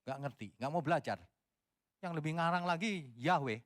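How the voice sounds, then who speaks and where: A man's voice: fairly high pitch, moderate pace, no room sound, studio quality. A middle-aged man, a pastor, teaching a seminar on scripture in an emphatic, combative way and often asking the audience questions. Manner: scolding, combative about opponents.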